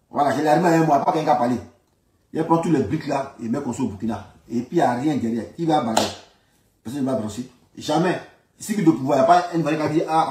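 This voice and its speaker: High-voiced Ivorian man, echoey and distant. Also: darkish tone. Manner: insistent, repeats phrases for emphasis, rhetorical questions. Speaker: political commentator. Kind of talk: informal spoken political monologue in reply to a speech. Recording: roomy echo, distant microphone.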